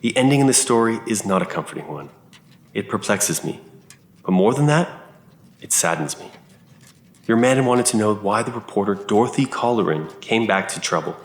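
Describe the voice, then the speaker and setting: An actor playing an old, lonely country reverend in an audio drama, solemn and hospitable, with measured, formal phrasing. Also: male voice, lowish voice, animated, close to an everyday voice. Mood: grave, regretful. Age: older. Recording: roomy echo under music.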